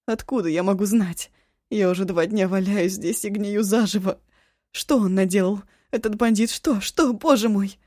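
A woman voicing a proud, volatile young woman who swings between harsh words and shrill, sobbing outbursts. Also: moderate pace, darkish tone, no room sound, studio quality, lightly acted. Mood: hysterical.

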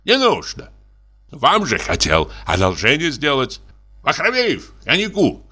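A man's voice: on the high side, wildly swooping pitch, a little slow, bright, forceful tone, husky, soft background music, pitched above the performer's own voice, full character voice. A man voicing a boastful, pushy, middle-aged army lieutenant who is drinking, exclamatory and wheedling. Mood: boasting. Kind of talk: audiobook character reading.

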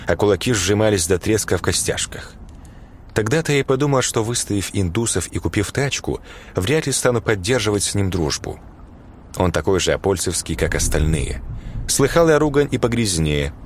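Low-voiced man narrating a horror story. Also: slight background noise. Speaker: audiobook narrator. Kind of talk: first-person horror narration.

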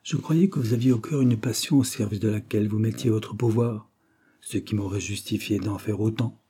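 A man's voice: lowish voice, normal speed, dark tone, breathy edge. A man voicing a young noble woman, a passionate gypsy queen, in an audiobook reading, with a raised, confiding manner. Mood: confessing. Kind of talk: audiobook character voice.

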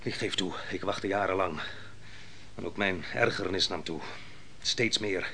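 An actor playing a proud, ruthless biblical army commander in a radio drama, speaking in a grand, declamatory style. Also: male voice, low-pitched, a little slow, creaky, pushed and bright, slight background noise, exaggerated voice. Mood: grave, scornful. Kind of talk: theatrical radio drama monologue and dialogue.

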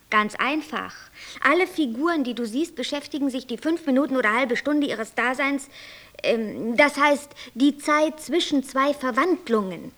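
An actress playing a capricious, self-absorbed white angel who creates worlds, airy, flippant and lecturing, in a German radio play. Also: female voice, sits high, a bit bright, exaggerated voice. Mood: impatient lecturing.

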